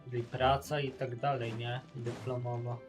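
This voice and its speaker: A man's voice: medium pitch, level tone, moderate pace. A young man chatting casually on a live game stream, hesitant and musing aloud, with game music behind him. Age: young adult.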